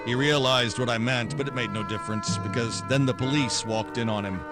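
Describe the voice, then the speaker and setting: A man's voice: medium pitch, steady tone, a little fast, loud music behind the voice, close to an everyday voice. Casting: man playing world-weary private eye, tough noir radio narration, prominent musical underscore. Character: weary, hard-boiled male private detective in radio noir. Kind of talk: 1940s radio acting, first-person noir narration.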